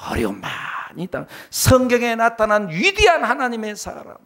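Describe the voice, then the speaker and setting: A middle-aged male pastor preaching a sermon, swinging between loud emphatic lines and hushed low ones, acting out quoted voices. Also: sing-song, moderate pace, creaky. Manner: acts out quoted voices in dialogue.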